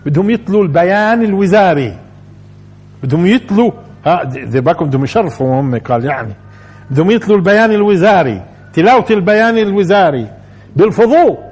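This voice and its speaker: شيخ بلهجة شامية، صوت مبحوح فيه حدة خفيفة، أسلوب تعليمي تكراري يخاطب المستمعين. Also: male voice, sits high, slightly rough. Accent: Levantine Arabic. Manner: explains by repeating phrases and asking the audience questions. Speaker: religious teacher. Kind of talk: Quran commentary lesson.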